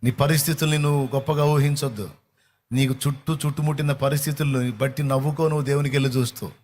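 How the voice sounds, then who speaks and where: A man's voice: medium pitch, fairly even intonation, quick pace, darkish tone. A middle-aged man preaching a sermon in a fervent, repetitive cadence. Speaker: pastor.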